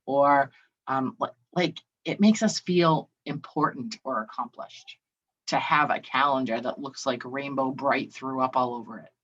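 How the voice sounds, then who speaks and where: Low-voiced woman, casual solo podcast host, chatty and a little profane; slightly dull recording. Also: unhurried, fairly bright tone. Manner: chatty, swears, acts out quoted voices. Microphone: video call.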